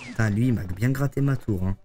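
A man giving live commentary on his own gameplay to chat, excitable and swearing often. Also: fairly low pitch, fairly quick, soft background music. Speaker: streamer.

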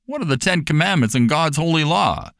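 Male reader as kindly storybook fair owner, devout, earnest, emphatic, animated pitch, dry recording. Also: brisk, no echo. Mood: warm, assured.

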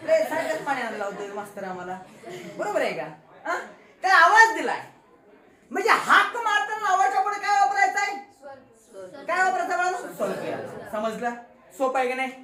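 This is a schoolteacher, a woman with a Marathi accent, playfully teasing and quizzing a class of kids during a grammar lesson with call-and-response. Her extremely high voice swings widely in pitch, sounds bright and forceful, and moves a little fast. Children's voices echo around the classroom.

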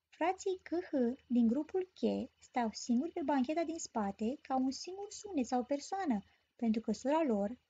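A woman teaching a grammar lesson as a story, explaining clearly and patiently. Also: high voice, dark tone. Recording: dull lo-fi recording.

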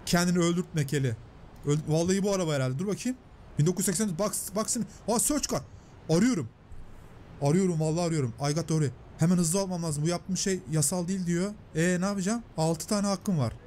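Guy doing lets play commentary, bit high voice, chatty and excitable, faint noise behind. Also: fast talker. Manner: chatty, excitable, translating and paraphrasing on-screen lines. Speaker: gameplay commentator. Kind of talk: let's play commentary, reading game dialogue aloud.

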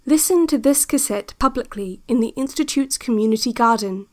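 An actress in an audio drama plays the calm, controlling narrator of a relaxation cassette, guiding a scripted visualisation in measured, deliberate, hushed phrases with pauses. Her natural female voice is a little high, calm and instructive, over loud ambient new-age music.

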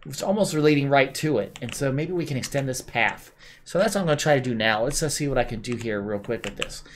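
A man hosting a gameplay video, calmly explaining his build step by step with plenty of "uh"s, while his voice is going a bit hoarse. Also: mid-range voice, fast, a little hiss or hum. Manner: relaxed, explaining step by step with many "uh"s. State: losing his voice. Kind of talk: casual building commentary.

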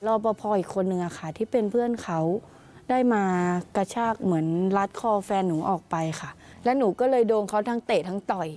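A woman's voice: medium pitch, brisk, mellow. A young woman, a guest on a TV talk show, plainly retelling what happened to her in detail and politely. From Thailand. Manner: plain, detailed retelling, calls herself 'หนู', many polite 'ค่ะ'. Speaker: interview guest. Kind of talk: recounting an incident in a TV interview.

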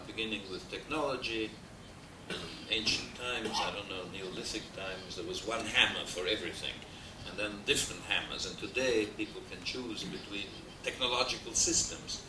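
An older man from Austria, voice on the low side, lectures academically in an Austrian German accent at a stand-mounted desk microphone. He rambles, hesitates a lot and adds dry humor. The wood-paneled hall comes across roomy and distant in a noisy VHS transfer.

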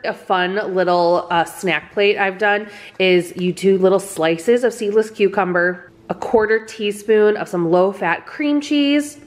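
A woman in her thirties talks through her groceries in a relaxed, chatty way, sprinkling in little fillers as she goes. Her voice sits at an ordinary middle pitch, and she is recorded in a home kitchen. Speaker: vlogger. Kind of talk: casual grocery haul narration.

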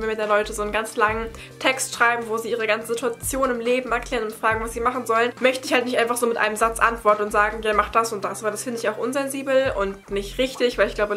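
A woman's voice: a little high, pushed and bright. A young woman from Berlin talking casually and explaining things, like a vlogger answering questions to camera. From Berlin, Germany. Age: young adult. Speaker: study-advice vlogger. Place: bright attic room at home.

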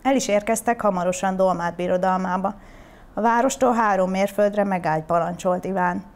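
Woman reading a fairy tale aloud. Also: mid-range voice. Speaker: storyteller.

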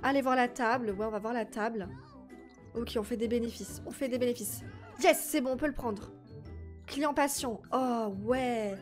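A young woman chatting excitedly to her viewers while playing a life-sim game, reacting out loud to what happens. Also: fairly high pitch, normal speed, soft background music. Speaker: gaming YouTuber. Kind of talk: casual let's-play commentary.

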